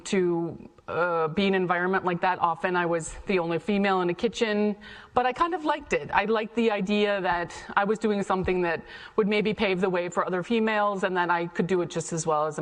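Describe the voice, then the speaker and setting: Middle-aged American woman speaking in an echoey hall. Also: fairly low pitch. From Ohio, United States. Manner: chatty, conversational. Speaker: guest speaker, chef and cafe founder. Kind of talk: informal autobiographical talk to an audience. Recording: echoey hall, long reverb.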